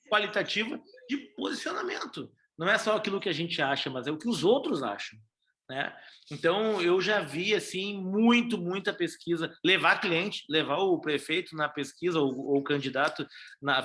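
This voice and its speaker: Lively, bright-voiced man teaching political marketing. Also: on the high side. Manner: chatty, lively, full of restarts and rhetorical questions. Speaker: political marketing specialist giving a training talk. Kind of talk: informal lecture to newly elected officials.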